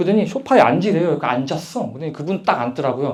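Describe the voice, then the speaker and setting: A man at a very fast pace, with a fairly high pitch and lively intonation. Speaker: career coach and speaker. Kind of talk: talk to high school students. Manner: casual, conversational.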